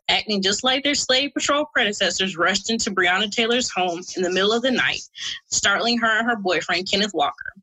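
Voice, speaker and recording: A woman's voice: mid-range voice, bright, forceful tone, slightly rough, low-quality recording. A woman from South Carolina, an activist, delivering a prepared political speech with impassioned, militant revolutionary oratory. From South Carolina, United States. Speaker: activist speaker.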